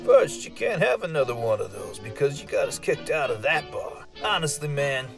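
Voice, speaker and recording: Man acting fed up careful buddy, weary nagging, swears, bit high voice, music clearly under it. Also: big pitch swings, normal speed. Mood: exasperated. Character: exasperated, cautious man scolding his drunk friend. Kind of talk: audio fiction acting.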